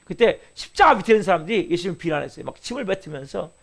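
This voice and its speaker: A man preaching a church sermon, drawing slow emphasis on key words and throwing rhetorical questions at the congregation. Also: sits high, expressive, creaky. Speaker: pastor. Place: church service.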